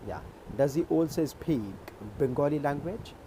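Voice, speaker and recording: A man from Maharashtra with an Indian accent, a native Urdu speaker, tutoring English on a video call in a measured, explanatory way. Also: on the high side, background noise. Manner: measured, explanatory, checks in with "okay". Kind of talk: conversation practice on a video call.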